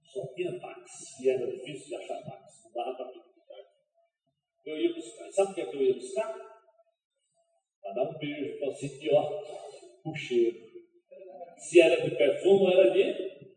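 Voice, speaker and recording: A middle-aged man preaching a sermon, telling family stories with emphatic swings in loudness. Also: on the high side, animated, normal speed, pauses often. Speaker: pastor. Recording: echoey church hall from far off.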